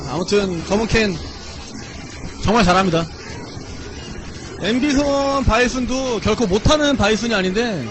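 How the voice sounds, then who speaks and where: A man giving excitable, exclamatory commentary on a fighting-game tournament, mixing announcer calls with casual chat. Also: high voice. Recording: loud background noise.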